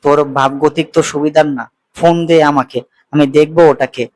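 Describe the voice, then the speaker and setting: A man's voice: on the high side, fairly even intonation, normal speed, a little mellow, no room sound, natural voice. A man reading the lines of a suspicious teenage girl cousin, bossy and teasing.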